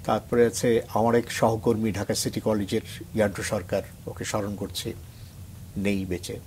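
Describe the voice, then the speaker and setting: A man's voice: fairly low pitch, level tone, normal speed, darkish tone, a little hiss or hum. A middle-aged man from Bangladesh, a reciter on a TV morning show, talking earnestly and then reciting a poem with swelling emphasis. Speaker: reciter guest. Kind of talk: reflective talk and poetry recitation. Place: TV studio.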